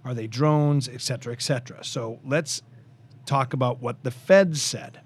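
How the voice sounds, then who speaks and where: A man from the United States hosting a podcast, chatting casually and breaking into animated, loud rants. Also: mid-range voice, moderate pace, husky. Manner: animated, loud and ranting at times. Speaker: podcast host. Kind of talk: casual podcast chat with ranting.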